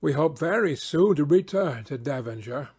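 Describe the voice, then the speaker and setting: A man's voice: on the high side, expressive, moderate pace, darkish tone, slightly rough. A man playing a confident, eager male detective in an audiobook, with commanding, precise phrasing. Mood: brisk, assured. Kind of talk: audiobook character acting.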